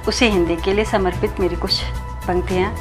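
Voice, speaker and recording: A woman editor welcoming viewers to a poetry event in a brisk, formal and earnest manner. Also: mid-range voice, steady tone, faint music behind.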